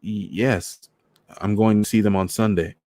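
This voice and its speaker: A man's voice: fairly low pitch, fairly even intonation, measured pace, dark tone, no echo, studio quality, voice pushed up, natural voice. A man voicing a polite, somewhat guarded young woman in a storybook reading. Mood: reserved.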